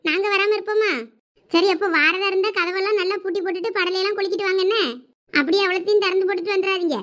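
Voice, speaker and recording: A woman with a Thoothukudi Tamil accent voicing village women in a cartoon, full of lively scolding banter. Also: very high voice, very fast. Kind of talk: cartoon voice acting.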